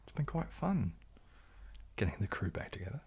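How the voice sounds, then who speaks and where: A man with a soft New Zealand accent that can pass for British, chatting to viewers on an ASMR livestream in a hushed, breathy, often half-whispered voice, polite and halting. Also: on the low side, very animated. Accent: New Zealand, soft, often taken for British. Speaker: ASMR YouTuber hosting a live stream. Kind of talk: ASMR livestream chat, reading and answering viewer comments.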